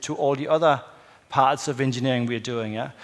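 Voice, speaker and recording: A man with a Danish accent, fairly even intonation at a fairly quick pace. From Denmark. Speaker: engineering consultant. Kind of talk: conference presentation. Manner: hesitant, many fillers.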